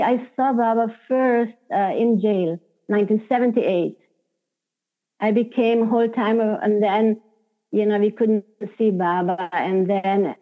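An older woman, a spiritual teacher recounting personal memories in an interview, unhurried and full of soft laughs and "you know" fillers. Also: mid-range voice. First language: Hungarian. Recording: tinny phone-like audio.

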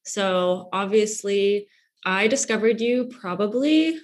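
A young woman hosts her podcast in a relaxed, friendly chat. She fills her speech with "like" and small hesitations, at an everyday middle pitch. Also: takes it slowly. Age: young adult. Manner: filler-heavy, lots of "like". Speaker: podcast host. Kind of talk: casual chat.

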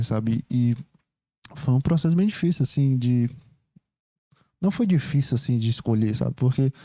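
A man with a Brazilian accent thinks out loud in a loose, wandering monologue. His voice is very dark and mellow, and the sound is close and dry. He keeps stopping to restart his sentences and checks in with the listener as he goes. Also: medium pitch, no room sound. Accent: Brazilian Portuguese. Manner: rambling, hesitant, many restarts and "you know?" tags. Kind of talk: casual reflective monologue.

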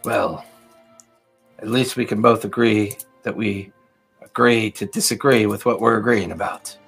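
Gruff merfolk warrior in shark form, grudging and clipped, pitched lower as a man voices him. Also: fairly even intonation, measured pace, a bit bright, soft background music, full character voice. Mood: dry. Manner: curt, clipped orders.

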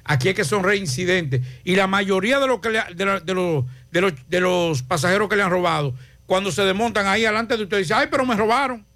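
Fast-talking Dominican co-host. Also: male voice, high voice, fairly bright tone, dry recording. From Dominican Republic. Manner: brisk, argumentative. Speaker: radio co-host.

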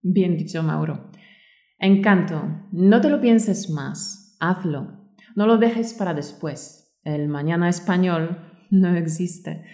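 A woman's voice: on the low side, takes it slowly, dark tone, roomy sound. A woman hosting a language-learning podcast, speaking to listeners in an encouraging, motivational way and reading aloud. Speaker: podcast host and Spanish teacher.

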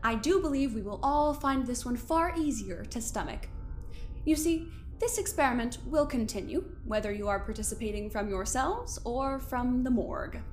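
A woman playing a smug, controlling overseer in an audio drama, delivering measured, condescending threats in a theatrical way. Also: on the high side, expressive, faint music behind. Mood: coolly threatening. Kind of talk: scripted audio drama acting.

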